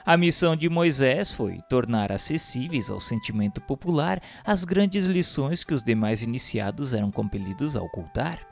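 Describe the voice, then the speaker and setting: A Brazilian man reads scripted religious narration in a solemn, declamatory way. His voice sits at an ordinary male pitch and has a gravelly creak, with music playing behind it. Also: animated, normal speed, hardly any pauses.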